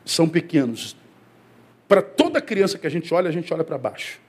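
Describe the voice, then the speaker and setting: A man's voice: normal speed, husky. A man from Brazil, a pastor giving a conversational sermon to his congregation, calling them brother and acting out quoted voices. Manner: acts out quoted voices, rising to high excited emphasis.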